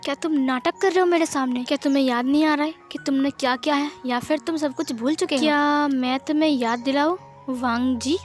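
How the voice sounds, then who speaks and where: A woman's voice: high voice, steady tone, a little fast, faint music behind, close to an everyday voice. A woman voicing an angry young man who bitterly accuses his partner and family, in a sarcastic tone. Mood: bitter, accusing.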